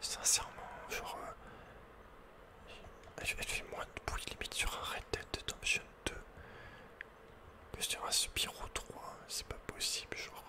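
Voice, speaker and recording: A man's voice: unhurried, pauses often. Whispering Frenchman, casual gaming ASMR. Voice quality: breathy, unvoiced whisper. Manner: casual, slangy, muttering to himself. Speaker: ASMR video game streamer. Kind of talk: whispered ASMR gameplay commentary. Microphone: close microphone.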